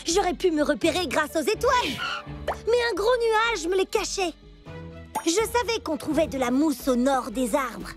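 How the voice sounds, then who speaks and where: High, swooping, theatrical little girl storyteller. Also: sing-song, unhurried, over music, exaggerated voice. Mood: dramatic. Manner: theatrical, exclamatory. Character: plucky girl scout telling a tall adventure tale. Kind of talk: dramatic cartoon storytelling.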